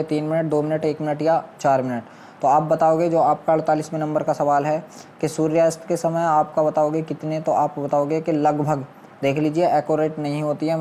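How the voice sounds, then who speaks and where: A man's voice: a little high, mellow, a little hiss or hum. A man teaching as an exam coach, going through practice questions and answers in a repetitive, instructional way. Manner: instructional, repeats questions and answers with habitual filler phrases.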